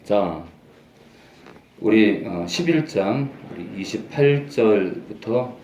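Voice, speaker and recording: A male pastor preaches with emphasis, repeating key phrases and climbing in pitch to drive them home. His voice is mellow and dark in timbre, and it rings out across an echoey church hall. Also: expressive, slow, a little hiss or hum. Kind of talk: sermon.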